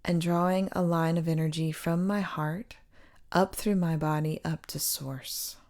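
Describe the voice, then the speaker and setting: A woman speaking as a meditation guide, giving gentle, hushed spiritual instruction with pauses. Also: low-pitched, fairly even intonation. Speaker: meditation guide and sound healer.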